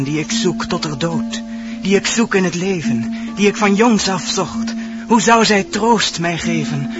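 A man playing an ardent, courtly young prince in a radio play, declaiming verse solemnly and poetically. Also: a little high. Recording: dull old radio recording. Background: music.

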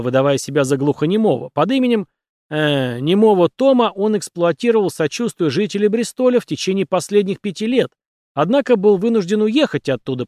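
A man's voice: high voice, a little mellow, dry recording, clean studio sound, voice pushed up. A man reading an audiobook, voicing an authoritative, mocking male captain of a beggars' gang.

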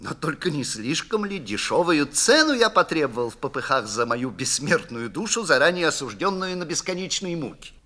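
A man doing an excitable young violinist. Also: a little high, normal speed, few pauses, heavily acted. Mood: hesitant. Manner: exclamatory, rapturous. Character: excitable young male violinist, eager and rapturous.

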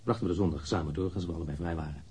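Radio drama role: wounded, indignant man under questioning; deep, very husky, blunt delivery. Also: very fast, a little mellow. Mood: matter-of-fact. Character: defensive, wounded male lover questioned by police.

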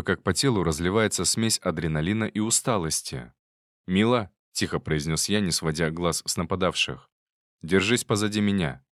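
A man reading a fantasy audiobook in the first person, with steady, measured storytelling. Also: on the low side, dry recording, clean studio sound. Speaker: audiobook narrator.

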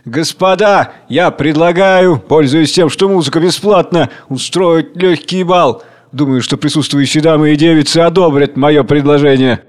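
A man's voice: on the high side, moderate pace, hardly any pauses, big-room sound, voice pushed up, close to an everyday voice. A self-important chairman, played by a male reader addressing the crowd. He speaks with showy, pompous flourish in a slightly raised voice.

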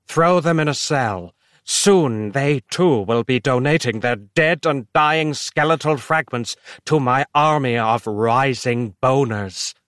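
A man voicing a gloating villainous mastermind, with a theatrical, drawn-out menacing delivery. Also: mid-range voice, fairly bright tone, no room sound, clean studio sound, voice pushed up. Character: gloating villainous male bone-obsessed mastermind.

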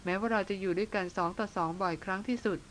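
A woman reads a spirited young sister in a spoken storybook. She speaks earnestly and warmly to her brother, a little pleading at times. Her pitch stays in a natural middle range. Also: fairly even intonation, racing, slight background noise, close to an everyday voice, poor audio.

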